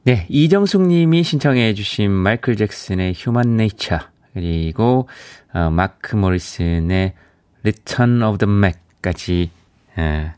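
His voice sits fairly low, expressive yet unhurried, a bit mellow, with a clean tone and no room sound. The man, a radio host from Yeongcheon, South Korea, speaks Daegu-Gyeongbuk dialect in a studio on a studio mic, casually chatting and laughing as he reads listener messages.

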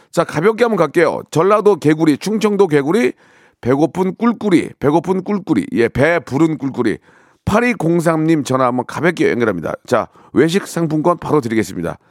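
A man hosting a live radio call-in show, with brisk, teasing, upbeat patter. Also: a little high, sing-song, no echo, studio quality. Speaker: radio host. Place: radio studio.

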